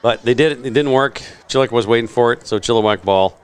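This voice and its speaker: A man's voice: medium pitch, fast talker, smooth. A man doing casual play-by-play commentary on a local football game, chatty and joking between plays. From Canada.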